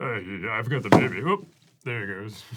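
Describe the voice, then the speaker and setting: A man's put-on character voice, medium in pitch, with ordinary pitch variation. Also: moderate pace. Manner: dopey, oblivious.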